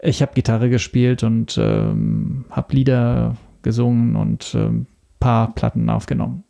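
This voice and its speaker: Gravelly, hesitant man. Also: medium pitch, animated, unhurried, dark tone. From Italy. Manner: hesitant, searching for words. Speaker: podcast guest. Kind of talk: casual interview talk.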